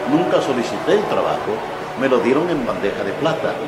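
Over loud background noise, a man talks at a fairly quick pace. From Ecuador. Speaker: sports broadcaster. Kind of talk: interview answer. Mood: warm, grateful, reflective. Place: hall. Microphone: lapel.

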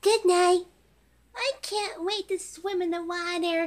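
A woman puts on a cartoonish character voice at an extremely high pitch. She delivers it at a fairly slow pace. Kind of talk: cartoon character voice.

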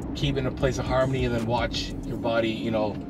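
Music plays in the background. The speech moves at a moderate pace. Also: man. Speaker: bodybuilder vlogger. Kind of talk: casual vlog chat. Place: car. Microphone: camera far.

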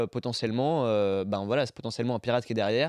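A man's normally varied pitch comes through a dry, close, echo-free sound, very cleanly recorded with a silent background. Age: 20s. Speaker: crypto entrepreneur. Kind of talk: casual chat. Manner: halting.

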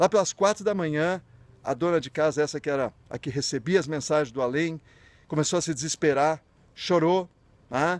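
A man with a fairly high pitch talks at a moderate pace, with long, frequent pauses. His pitch variation is ordinary, and the sound is dry with no echo. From Brazil. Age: 50s. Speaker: entrepreneur and self-leadership educator; self-leadership educator. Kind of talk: educational vlog monologue. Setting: leaving the gym. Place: garden. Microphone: phone near.

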